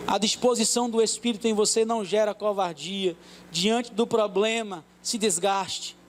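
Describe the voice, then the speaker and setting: Speaking at a fairly slow pace with fairly even intonation, the man has a high pitch, and there is noticeable background noise. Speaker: pastor. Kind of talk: sermon.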